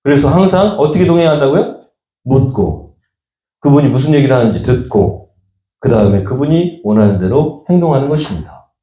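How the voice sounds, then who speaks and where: A man's voice: medium pitch, expressive, brisk, mellow. A middle-aged man preaching a sermon as pastor, talking to the congregation in a conversational way and acting out the voices he quotes. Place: church sanctuary. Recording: echoey church room.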